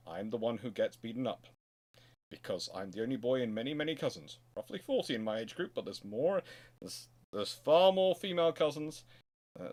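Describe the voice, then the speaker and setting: A man hosting an informal history question-and-answer livestream, talking in a discursive, rambling way and often restarting his sentences. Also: medium pitch. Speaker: host, naval historian.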